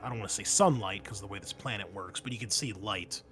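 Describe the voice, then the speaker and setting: Male game master narrating, halting and conversational. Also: lowish voice, fairly bright tone, a little hiss or hum. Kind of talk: improvised tabletop game narration.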